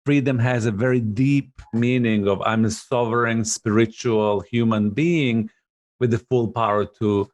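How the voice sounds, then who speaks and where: A man's voice: medium pitch, steady tone, unhurried, darkish tone. A middle-aged man from Serbia, hosting a reflective coaching conversation over a video call in an earnest, emphatic way. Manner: earnest, emphatic, repeats for stress. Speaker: host, coach.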